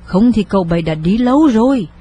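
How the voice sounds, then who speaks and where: A woman voicing a fussy middle-aged servant woman in an audio story, fretful and loud. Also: mid-range voice, animated, a little fast, slightly rough, muffled recording. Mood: pitying.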